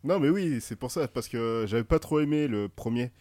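Male co-host, mid-pitched, dry teasing wit, close sound with no room echo. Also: lively intonation, normal speed, warm tone. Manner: dry, teasing, sarcastic remarks. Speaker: podcast co-host. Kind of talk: casual film chat.

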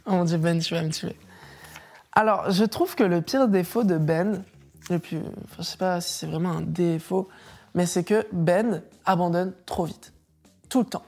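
Lively young woman telling anecdotes. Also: on the low side, normal speed. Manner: animated storyteller, laughs often, acts out quotes. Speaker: guest. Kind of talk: casual interview chat.

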